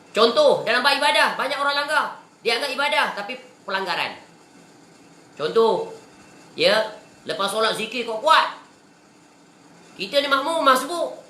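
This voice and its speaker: A woman's voice: mid-range voice, sharp tone, a little hiss or hum. A woman with a Malaysian Malay accent giving a religious lecture, asking her listeners rhetorical questions and mixing in English words. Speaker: religious teacher. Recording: echoey room.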